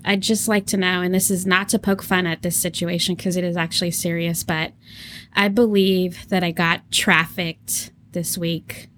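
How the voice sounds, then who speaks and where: Speaking at a moderate pace with a level tone, this podcast co-host has a fairly bright voice on the low side. She spins stories on a casual show, laughing a lot and acting out people's quotes. A little hiss or hum can be heard.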